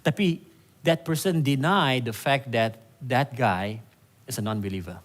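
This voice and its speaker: A man preaching a sermon, animated and conversational, with asides to the congregation. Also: medium pitch, measured pace. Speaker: pastor. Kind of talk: sermon mixing Malay and English.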